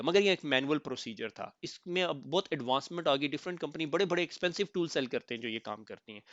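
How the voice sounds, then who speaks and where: A man's voice: fairly high pitch, a bit bright, no room sound, muffled recording. A man teaching a recorded technical lecture in a conversational way, often stopping to check that listeners follow. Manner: conversational, code-switching with English terms, frequent "thik hai?" check-ins. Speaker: instructor.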